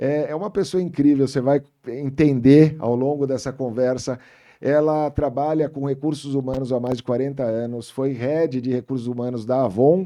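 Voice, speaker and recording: A man's medium-pitched voice, dark and mellow in tone, with fairly even intonation at a moderate pace. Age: 40s. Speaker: podcast host. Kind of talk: casual chat.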